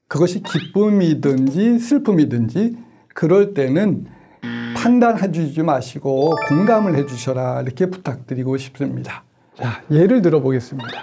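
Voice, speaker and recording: A man's voice: fairly high pitch, mellow, slightly rough. A middle-aged man teaching parents in a lecture, asking them questions and acting out everyday examples. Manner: asks the audience questions and acts out examples.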